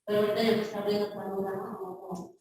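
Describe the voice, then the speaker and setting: A woman's voice: medium pitch, little pitch movement, rapid-fire, a little mellow, very echoey, recorded from a distance, a little hiss or hum. A woman student in class, sharing her thoughts hesitantly and searching for words. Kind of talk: class participation.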